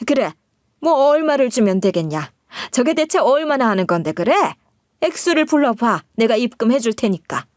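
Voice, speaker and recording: A woman voicing a sharp-tongued older mother-in-law who talks in a scolding, condescending way. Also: fairly high pitch, very animated, normal speed, no room sound, clean studio sound.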